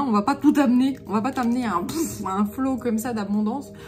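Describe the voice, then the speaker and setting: A woman with a Jura accent talks at a fairly slow pace and fairly high pitch, with noticeable background noise. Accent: Jura regional accent, French. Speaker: spiritual channeler, card reader. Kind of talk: oracle card reading guidance. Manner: hesitant, many fillers; casual, joking.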